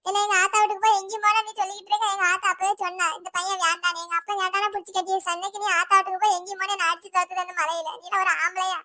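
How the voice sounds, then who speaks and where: A woman plays a sick, irritable village wife in a cartoon, her Tirunelveli Tamil fast and piercingly high. She snaps and complains in a bright, tight tone, recorded dry and close. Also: flat delivery, no echo. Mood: aggrieved. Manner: scolding, complaining, shrill. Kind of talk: cartoon voice acting.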